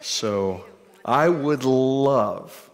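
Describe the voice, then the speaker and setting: Conversational pastor preaching in a reverberant church. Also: male voice, medium pitch, expressive, extremely slow. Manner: conversational, jokey asides to the congregation. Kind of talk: sermon. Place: church stage before a congregation.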